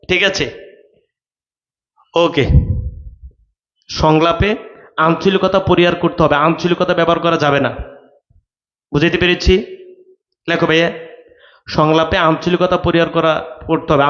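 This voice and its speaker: A man, pitched a little high, lectures students on exam rules in an instructive way. He repeats each point and keeps checking that they follow. The recording sounds roomy and dull, with a lo-fi quality. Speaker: admission test tutor. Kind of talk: online exam-prep lecture.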